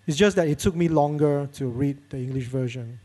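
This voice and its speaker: A man whose first language is Chinese, answering haltingly as he searches for words. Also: fairly high pitch, mellow.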